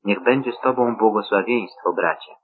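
A man reading the part of a devout old blind father in a measured, solemn scripture reading, on a tinny phone-like line. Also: on the low side, slight background noise, natural voice. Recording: tinny phone-like radio sound.

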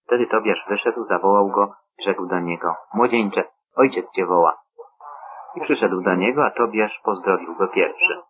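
A man reads scripture in a measured, solemn way. His voice is low and husky. The sound is narrow and tinny, as if carried over a phone or an old radio. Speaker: scripture reader. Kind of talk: scripture reading.

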